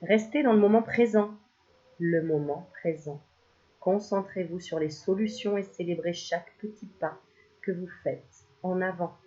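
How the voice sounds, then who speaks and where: Une femme qui tire des cartes de spiritualité, bavarde et joueuse, qui rit souvent et lance parfois des chants pour rire. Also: female voice, fairly low pitch, measured pace, mellow, lo-fi sound. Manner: chatty, playful, laughs often, bursts into mock singing. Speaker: spiritual card reader. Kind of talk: casual card-reading video.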